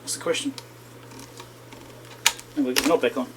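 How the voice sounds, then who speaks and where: A man's voice: mid-range voice, sing-song, normal speed, background noise. Man muttering through a bench repair. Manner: muttering to himself as he works, chatty asides to viewers. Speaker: electronics repair channel host. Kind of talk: casual running commentary while repairing.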